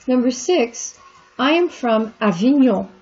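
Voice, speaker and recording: Slow, husky-voiced woman teaching. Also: fairly high pitch, lively intonation, darkish tone, muffled recording, faint music behind. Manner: patient, explanatory, repeats and spells out examples. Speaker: French teacher. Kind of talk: recorded lecture walking through textbook exercises.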